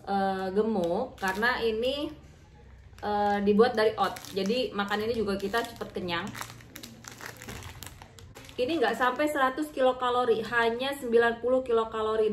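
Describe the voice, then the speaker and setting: A young woman giving a casual, chatty review of diet foods, with frequent fillers and self-corrections, filmed on a camera across a table indoors. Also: mid-range voice. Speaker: vlogger reviewing diet products. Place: indoor room. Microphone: fixed camera at table distance. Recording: echoey room, faint noise.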